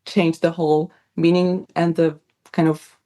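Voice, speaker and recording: A woman's voice: lowish voice, level tone, unhurried, dark tone. Chatty young woman. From Poland. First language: Polish. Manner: chatty, upbeat, with frequent laughs and fillers. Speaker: guest, writer and academic. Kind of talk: casual interview chat.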